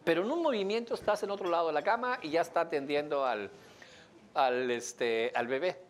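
A man with a Mexican accent giving a lively lecture to a live audience, joking and asking them questions. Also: a little high, brisk, slight background noise. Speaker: speaker teaching an audience.

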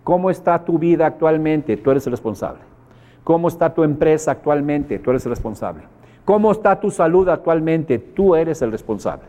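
A man with a Mexican accent leads a motivational seminar, his voice sitting a touch high. He talks in an emphatic, colloquial way, hammering the same phrase again and again. He keeps turning to his audience with questions. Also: lively intonation, normal speed, mellow. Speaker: motivational speaker teaching a group.

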